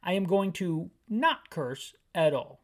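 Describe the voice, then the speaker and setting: A man's voice: high-pitched, lively intonation, slow. Wry man rambling through a game playthrough. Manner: rambling, wry, self-mocking asides. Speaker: gaming channel host. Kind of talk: audio-described game playthrough commentary.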